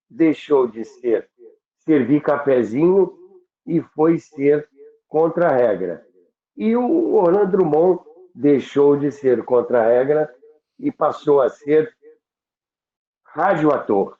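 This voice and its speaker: A roomy, phone-like recording of a Brazilian-accented man telling stories. He speaks slowly and haltingly, in a fairly high voice, repeating words for emphasis. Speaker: radio history storyteller on a podcast. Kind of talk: anecdotal storytelling talk. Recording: roomy, tinny phone-like sound.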